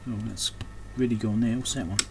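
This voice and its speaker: A man's voice: fairly low pitch, fairly even intonation, fairly quick. A man giving casual, unscripted commentary while doing hands-on repair work, thinking aloud and often trailing off mid-thought. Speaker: electronics repairer and video host. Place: indoors at a repair workbench. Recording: clear background noise, room ambience.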